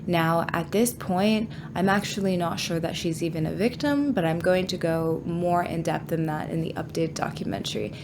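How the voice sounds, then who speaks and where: A woman's voice: lowish voice, steady tone, normal speed, few pauses, background noise. A woman with a stuffy voice from a cold, chatting frankly to viewers about a true crime case. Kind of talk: casual talk to camera.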